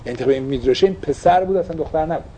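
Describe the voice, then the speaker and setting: A man's voice: a little high, warm tone, slight background noise. A man teaching a casual religious class, asking his listeners questions and slipping English phrases into his talk.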